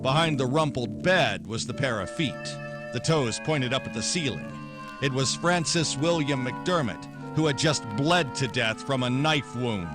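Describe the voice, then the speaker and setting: Music plays behind a man acting as a hard-boiled private detective. His voice sits at a middle pitch. He is wry and tough, full of slang, in the manner of a 1940s noir radio play. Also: expressive, measured pace, close to an everyday voice. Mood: tense, wry.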